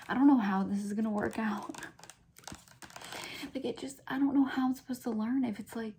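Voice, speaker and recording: A young woman talks softly and slowly in a casual ASMR ramble, full of fillers and little giggles. Her voice is mellow and warm rather than bright. Faint tapping and hiss sit behind her. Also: fairly high pitch. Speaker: ASMR creator. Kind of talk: soft-spoken ASMR chat with tapping.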